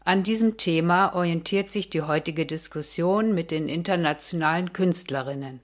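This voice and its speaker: A woman's voice: fairly low pitch, normal speed. A woman radio host reading a scripted introduction of her guests fluently.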